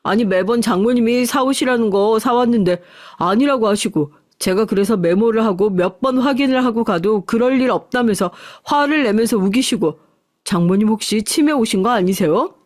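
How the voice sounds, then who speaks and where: A woman's voice: fairly high pitch, normal speed, lightly acted. A woman voicing a frustrated young husband who pleads with his mother-in-law in a radio story reading. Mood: exasperated. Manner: exasperated, pleading.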